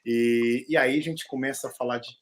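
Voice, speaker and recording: A middle-aged male doctor talks through a live video call in an easygoing, explanatory way. His pitch sits in an ordinary middle range. He keeps things lively with joking asides. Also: moderate pace, a little hiss or hum. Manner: explanatory, animated, jokey asides. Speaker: pulmonologist. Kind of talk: casual live-stream medical chat.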